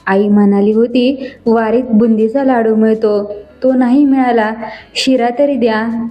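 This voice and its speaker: A woman voicing a poor, gentle village boy of about seven, speaking softly and simply in a storybook tale. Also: fairly high pitch, fairly even intonation, a little slow, lo-fi sound, soft background music, close to an everyday voice. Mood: tender.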